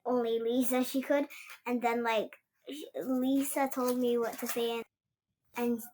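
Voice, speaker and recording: Shy little girl, slow bright voice. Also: a little high, flat delivery, slight background noise. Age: young child. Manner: short shy answers, halting. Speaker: missionary kid interviewee. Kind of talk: child answering interview questions.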